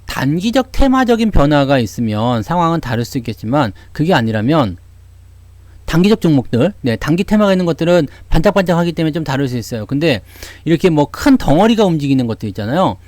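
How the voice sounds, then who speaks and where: A man hosting a stock market channel, explaining the market to his viewers. His fairly high voice rises and falls a lot as he poses questions and answers them himself. The sound is dry and close. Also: fast, dry recording. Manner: animated, asks and answers own rhetorical questions.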